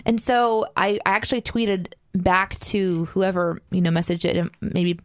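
Female podcast co-host, high voice, playful and self-mocking, dry close mic. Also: little pitch movement, measured pace, no echo. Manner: playful, self-deprecating, giggly. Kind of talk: casual podcast chat.

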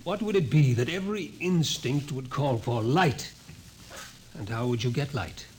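A man's voice: mid-range voice, a little slow, darkish tone, lightly acted. A man playing a grave, insistent doctor in a 1950s radio drama, lecturing emphatically with an ominous air. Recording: noisy old 1950s radio recording.

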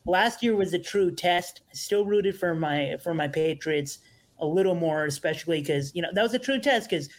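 A young man speaking as a podcast guest, his voice sitting a little high. He talks in a casual, hesitant way, often starting over and leaning on fillers. His tone stays relaxed and conversational. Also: normal speed. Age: young adult. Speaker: podcast guest, fantasy sports analyst. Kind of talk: casual interview chat.

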